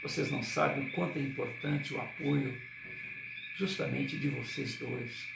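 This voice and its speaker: A man reading the lines of an earnest young preacher, speaking slowly and sincerely, recorded in a roomy space from a distance with crickets and frogs behind. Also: mid-range voice, steady tone, gravelly, heavy background noise.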